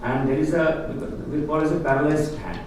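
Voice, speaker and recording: A man's voice: on the high side, steady tone, normal speed. A man giving an earnest public talk, explaining ideas to an audience in plain, non-native phrasing. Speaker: guest speaker on Hindu philosophy. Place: lecture room with audience. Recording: echoey hall, speaker far from mic, noisy.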